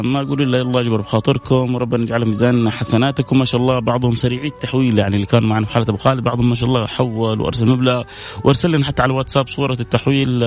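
Fast gravelly radio host. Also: male voice, mid-range voice. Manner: earnest pleading appeals, repeats blessings. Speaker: radio charity show host. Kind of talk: radio appeal and call-in chat. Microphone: studio microphone.

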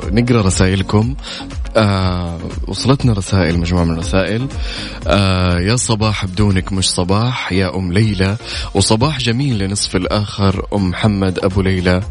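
Over clear background music, a Saudi man presents a casual morning radio show. His voice is on the low side, and he talks in a chatty way with the odd English phrase mixed in. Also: brisk. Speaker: radio host. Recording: music behind the voice.

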